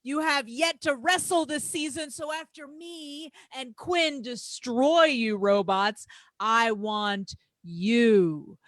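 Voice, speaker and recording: A woman's voice: sits high, slow, fairly bright tone, no room sound. A woman playing a brash, boastful male pro wrestler, reading crude, grandiose trash-talk promos with taunting, emphatic delivery. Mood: taunting, cocky.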